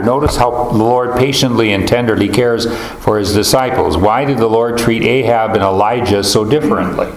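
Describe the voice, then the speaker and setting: A man leading a group Bible study, talking in a halting, thoughtful way with many fillers and restarts. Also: mid-range voice, a little hiss or hum. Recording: roomy echo, faint ambience.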